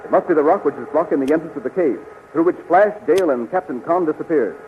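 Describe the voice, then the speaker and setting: An actor playing a dutiful, eager army officer in clipped, military 1930s radio style. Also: male voice, on the high side, animated, quick pace, close to an everyday voice. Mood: dutiful, urgent. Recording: muffled, noisy 1930s radio recording.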